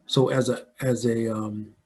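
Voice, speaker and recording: This clip has a slight hiss or hum behind a medium-pitched, level, unhurried male voice with a dark tone. The speaker is an American audio dramatist and filmmaker in his 60s or older, a guest in a conversational interview who tells stories reflectively and keeps checking in with whoever's listening.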